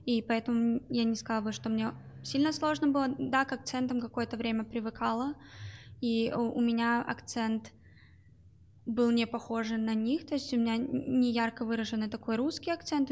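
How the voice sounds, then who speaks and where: A young woman, a guest in an interview, describing her work at a call center, speaking with many hesitations and fillers. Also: fairly high pitch. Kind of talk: interview answers.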